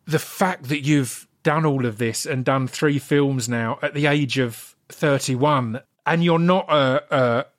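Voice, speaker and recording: A man's voice: medium pitch, slow pace, few pauses. Eager English man from Essex, stumbling. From Essex, England. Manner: enthusiastic, stumbling over words. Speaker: podcast host. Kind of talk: casual interview chat.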